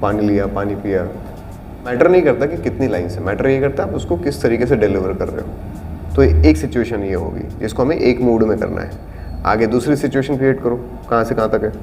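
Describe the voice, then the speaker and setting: In an acting studio room, a man teaches a class, patiently explaining auditions and demonstrating lines at varying tones and volumes. His voice is lowish, expressive, a little fast and somewhat dark. The room is reverberant, with faint background noise.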